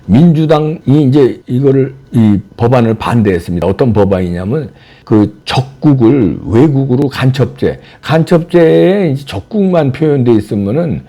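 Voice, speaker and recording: Guy ranting solo political commentary, mocking, lots of rhetorical questions, dark voice. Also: mid-range voice, animated, normal speed. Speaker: political commentary channel host.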